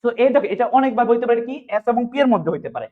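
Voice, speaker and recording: Fast, high-voiced male chemistry teacher. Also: very animated. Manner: fast, repetitive question-and-answer drilling. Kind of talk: online exam-prep class. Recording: phone-like narrow sound.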